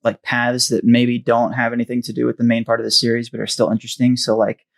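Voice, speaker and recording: A man's voice: medium pitch, monotone, quick pace, vocal fry. Hesitant man, casual podcast chat. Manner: hesitant, many fillers, loses his words. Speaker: podcast co-host.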